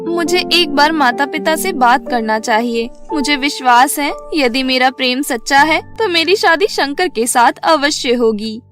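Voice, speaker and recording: Casting: actress as young fairy heroine for cartoon storybook, very high voice, earnest, lovestruck, music underneath. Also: female voice, unhurried, hardly any pauses, fairly bright tone. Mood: lovelorn, earnest. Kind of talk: Hindi animated fairy-tale voice acting.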